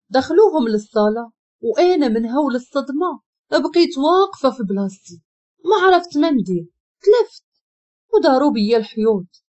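Lively Moroccan woman telling a story. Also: high voice, husky. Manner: emotional, dramatic reading. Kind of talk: first-person story narration.

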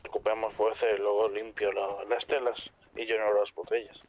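Male roleplay gamer, rather low voice, tinny narrow radio sound, casual in-character teammate chat. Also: little pitch movement, fairly quick. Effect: radio or phone-like filter. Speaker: fellow roleplay player.

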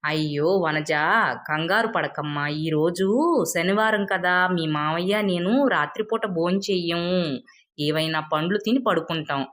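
A woman's voice: on the low side, measured pace, natural voice. Woman voicing a kindly, coaxing older aunt. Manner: soothing, coaxing.

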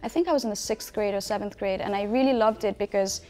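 A woman's voice: mid-range voice, fast talker, warm tone. A young woman from Nepal, a jewelry designer guest in a studio interview, telling stories in a wry, self-mocking way. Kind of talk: casual interview chat. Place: dark studio set, indoors.

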